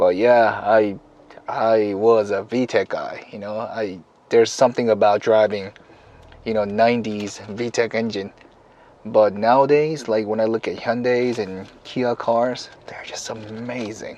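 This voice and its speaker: Speaking at a fairly slow pace, a man with a medium-pitched voice keeps a monotone, flat intonation while his loudness swings widely. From South Korea. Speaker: car reviewer. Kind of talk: car review while driving. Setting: in a car. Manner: casual, filler-heavy.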